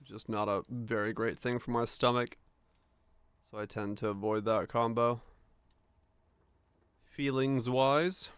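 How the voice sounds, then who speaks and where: A man's voice: mid-range voice, fairly even intonation, takes it slowly, pauses often, a bit bright, smooth, no echo. Casting: young man from Finland with an American accent, streamer, loose, rambling, cursing casually. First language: Finnish. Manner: rambling, loose and profane, with many restarts. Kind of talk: casual chat with stream viewers.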